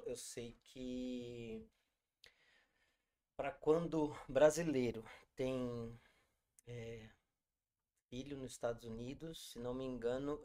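A man's voice: mid-range voice, dark tone. A man with a Brazilian Portuguese accent hosting a podcast, asking questions in casual conversation. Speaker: podcast host. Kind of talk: casual interview chat.

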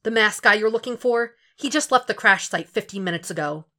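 A woman's voice: mid-range voice, lively intonation, fairly quick, bright, forceful tone, pitched above the performer's own voice. A woman voicing an anxious male ally giving urgent, agitated warnings in a story reading.

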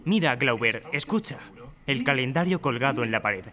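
A man playing the solemn narrator of a radio spy serial, delivering literary lines in dramatic, deliberate fragments. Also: medium pitch, animated, sharp tone. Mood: ominous. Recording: noisy live audience recording with ambience.

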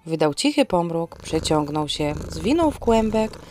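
A woman's voice: low-pitched, very animated, unhurried, mellow, slight background noise. A woman hosting a podcast and narrating a scripted first-person story in a wry, theatrical manner.

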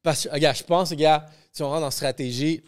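Animated podcast host. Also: male voice, a little high, a little fast, clear, resonant tone. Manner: animated, fillers like "comme, yo", thinks aloud. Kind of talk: casual podcast chat.

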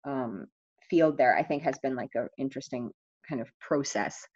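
A woman with a low voice talks through her ideas on a video call, pausing on fillers and restarting her sentences. The sound is dull and dry, like a call recorded without any room around it. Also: darkish tone, slightly rough, dry recording. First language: not Finnish. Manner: thoughtful, many fillers and restarts. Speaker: online language coach. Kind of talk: casual video call conversation.

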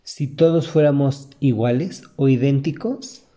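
A man's voice: mid-range voice, a little slow, warm tone. A man with a Mexican accent hosting a podcast, talking in an earnest, motivational way straight to the listener. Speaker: podcast host. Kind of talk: reflective podcast monologue.

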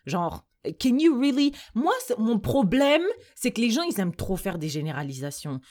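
A woman's voice: on the high side, very animated, moderate pace, a little mellow. A young woman from Mauritania, debating in a casual chat, emphatic and slipping English phrases into her talk. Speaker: discussion guest.

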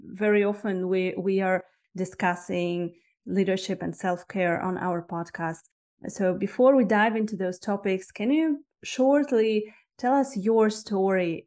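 A woman's voice: mid-range voice, darkish tone. A woman hosting an interview podcast, introducing the show and putting questions to a guest. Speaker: podcast host.

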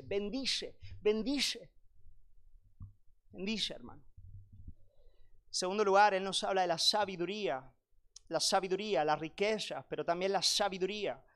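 A man preaches to a retreat congregation. He tells a lively personal story, then turns to direct exhortation, speaking to his listeners as brothers and sisters. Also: high voice. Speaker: pastor. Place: church retreat hall.

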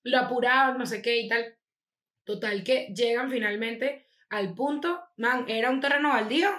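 A young Venezuelan woman telling a wild family story in fast, slangy casual chat, acting out the people she quotes. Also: on the high side. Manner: fast, slangy, animated retelling with acted quotes. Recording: echoey room.

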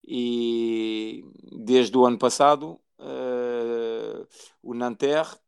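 A man in his forties, a basketball coach born in Portugal and raised in France, answering interview questions haltingly with many fillers. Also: medium pitch, steady tone, vocal fry, darkish tone, smooth. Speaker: basketball assistant coach, guest.

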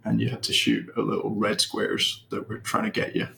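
A young Scottish man, a research engineer, explaining things as an interview guest in a relaxed, thoughtful way with fillers. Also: fairly low pitch, a little fast, gravelly, a little hiss or hum. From Scotland. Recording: roomy echo.

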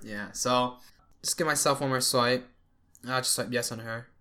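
A young man from Canada who grew up speaking Cantonese, co-hosting a podcast in casual, animated, sweary chat. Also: medium pitch, moderate pace. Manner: animated, swears freely, lots of "like". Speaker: podcast co-host.

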